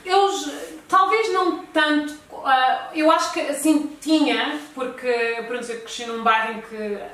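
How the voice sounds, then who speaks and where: A woman's voice: sits high, measured pace, hardly any pauses, a bit bright. A woman chatting casually as a guest, in a hesitant way that repeats phrases. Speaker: talk show guest. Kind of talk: casual conversation between friends. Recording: very echoey room, distant mic, faint noise.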